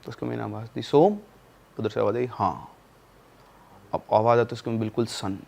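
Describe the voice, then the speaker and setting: Guy telling a spooky story like chatting with friends, goes hushed at the scary bits. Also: on the low side, level tone, racing, creaky. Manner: conversational, acts out quotes, hushed for eerie moments. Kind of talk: casual spoken horror storytelling.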